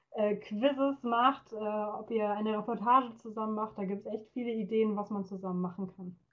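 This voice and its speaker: Fairly high in pitch, a woman speaks with fairly even intonation against a quiet background. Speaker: workshop presenter, media scholar; presenter. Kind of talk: online workshop tutorial. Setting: live video conference with screen sharing. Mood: friendly, encouraging. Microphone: webcam.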